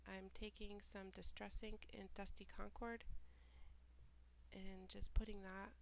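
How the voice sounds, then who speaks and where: A woman with a stuffy, nasal cold, calmly talking through the steps of a craft tutorial in a voiceover. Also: mid-range voice, measured pace, vocal fry, a little hiss or hum. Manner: relaxed, plain step-by-step explaining with small asides. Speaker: mixed media artist. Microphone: home voiceover recording.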